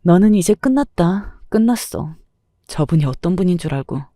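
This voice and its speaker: A woman voicing a gruff elderly man who speaks bluntly and gives short commands, in a story narration. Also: on the low side, expressive, moderate pace, warm tone, dry recording, studio quality, close to an everyday voice. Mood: indignant. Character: gruff elderly male neighbor, blunt and protective.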